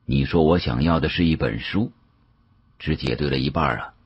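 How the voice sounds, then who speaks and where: A man voicing a shrewd senior bureau chief in an audiobook, genial and testing, with unhurried, teasing authority. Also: rumbling low, husky, no room sound, muffled recording. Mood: amused, approving.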